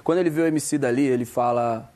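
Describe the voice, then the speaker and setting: A man's voice: medium pitch, rapid-fire, darkish tone. A man in his thirties with a Brazilian accent, a guest on a studio talk show, telling stories in a slangy, joking way. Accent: Brazilian Portuguese. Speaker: guest rapper. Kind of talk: casual studio interview.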